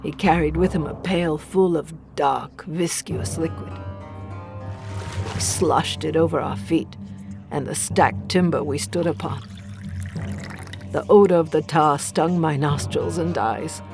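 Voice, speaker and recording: A woman playing an accused village healer, bitter and defiant, narrating a horror audio drama gravely and deliberately in a creaky voice. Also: sits low, fairly even intonation. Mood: defiant, anguished. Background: faint music.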